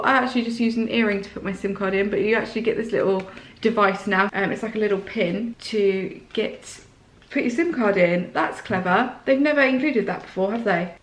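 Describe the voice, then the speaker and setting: A chatty, excitable woman with a slight sore throat, talking casually through an unboxing. Her voice sits at a middling pitch and bounces around an echoey indoor room. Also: a little hiss or hum. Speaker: vlogger.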